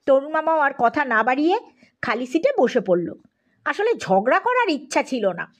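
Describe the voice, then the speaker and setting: High-pitched, animated woman storyteller. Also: normal speed. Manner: theatrical, acts out dialogue. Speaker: audiobook narrator. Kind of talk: expressive scripted storytelling.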